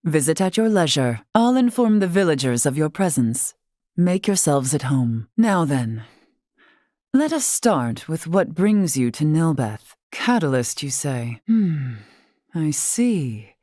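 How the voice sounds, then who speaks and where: Brief: dignified older female tribal chief in a fantasy game. Low register, stately old-fashioned phrasing, dry studio sound. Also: sing-song, mellow, dry recording, full character voice. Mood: calm, explanatory. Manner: formal, archaic, measured, stately diction. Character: dignified older woman, wise tribal leader and warrior. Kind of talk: scripted video game voice acting.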